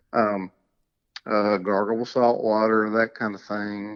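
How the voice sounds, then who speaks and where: Quiet and very slow, a man with a Southern US accent speaks at a fairly low pitch in a monotone, flat intonation. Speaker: gospel quartet singer. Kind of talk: interview. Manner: quiet, laid back.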